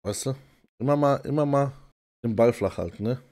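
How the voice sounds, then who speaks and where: A man's voice: medium pitch, moderate pace, warm tone. Laid-back slangy male streamer. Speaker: streamer reacting to clips. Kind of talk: casual reaction commentary. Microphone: desktop condenser mic.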